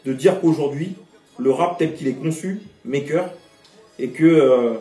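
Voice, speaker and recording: A man's voice: on the high side, a little slow, dark tone. Man, from French Guiana, rapper interview, emphatic and outspoken, distant mic, echoey room. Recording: roomy echo, distant mic, faint music.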